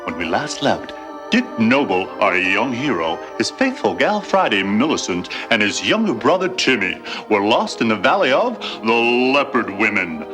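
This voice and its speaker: An actor playing a hearty announcer of a children's radio serial, with a grand, dramatic delivery. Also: male voice, on the low side, very animated, moderate pace. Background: music.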